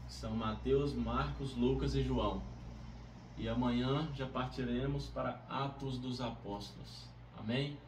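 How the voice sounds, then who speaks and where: A man's voice: mid-range voice, darkish tone. A man with a Brazilian accent speaking earnestly as he leads a devotional Bible reading. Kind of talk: devotional introduction, prayer and Bible reading aloud. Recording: roomy, distant mic, faint background noise.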